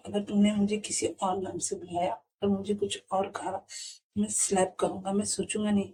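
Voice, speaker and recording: A woman's voice: medium pitch, mellow, slight background noise, natural voice, poor audio. A woman voicing a domineering young man in a storybook recap, giving stern commands.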